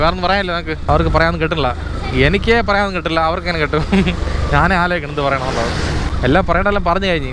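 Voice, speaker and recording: A man with a Trivandrum Malayalam accent gives chatty, casual ride commentary as a motorbike vlogger, mixing English words into his Malayalam and repeating his exclamations. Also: a little high. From Kerala, India. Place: outdoors on a moving motorbike. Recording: noisy outdoor recording with traffic and engine.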